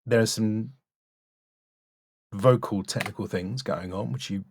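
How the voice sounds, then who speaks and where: A man's voice: lowish voice, a little slow, darkish tone, slight background noise. A man giving a spoken critique as a voice-over coach, blunt and instructive, with short emphatic remarks. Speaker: voice-over coach reviewing demo reels.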